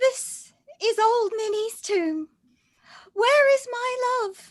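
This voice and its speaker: A woman uses a squeaky put-on character voice, extremely high in pitch, speaking very slowly with ordinary pitch variation. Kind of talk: comic overacting. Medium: stage play.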